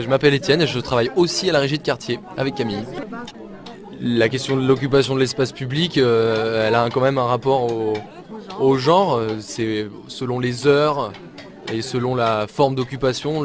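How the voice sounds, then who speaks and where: A man with a mid-range voice speaks thoughtfully, pausing and restarting now and then. He is recorded outdoors at a street market, with a crowd murmuring around him. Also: mid-range voice, steady tone. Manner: thoughtful, slightly halting. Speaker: community association worker. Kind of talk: street interview.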